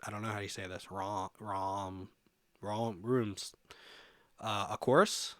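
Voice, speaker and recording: Man casually demonstrating software, dry sound. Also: fairly low pitch, steady tone, slow, no room sound. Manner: informal, thinks aloud while demonstrating. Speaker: music production tutorial presenter.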